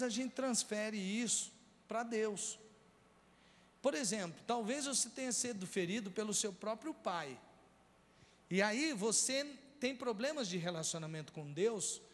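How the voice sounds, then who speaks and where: A man's voice: high voice, big-room sound. A man with a Brazilian Portuguese accent preaching a sermon, telling a personal story earnestly and speaking straight to the congregation. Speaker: pastor.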